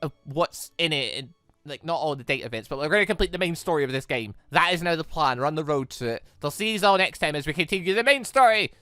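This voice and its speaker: A let's player giving casual, rambling game commentary in an excitable manner. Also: medium pitch, fast, no room sound, soft background music. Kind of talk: casual gameplay commentary, reading dialogue aloud.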